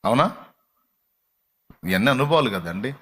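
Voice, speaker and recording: A man preaching a sermon as a pastor, talking in a conversational way full of rhetorical questions, dropping into soft low asides and rising into pleading exclamations. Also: lively intonation, a little slow, breathy edge.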